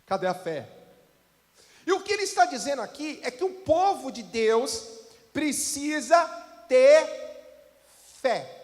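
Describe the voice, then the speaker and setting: A man's voice: extremely high pitch, sing-song, slow, long pauses, long reverb tail. A man preaching a sermon as pastor, emphatic, full of rhetorical questions to the congregation. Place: church hall.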